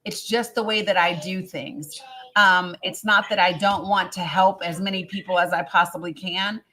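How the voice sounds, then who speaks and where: Bright-voiced woman in her fifties. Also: fairly low pitch, steady tone, normal speed. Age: 50s. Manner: earnest and firm, many ums and restarts. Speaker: livestream host. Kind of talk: live-stream panel talk.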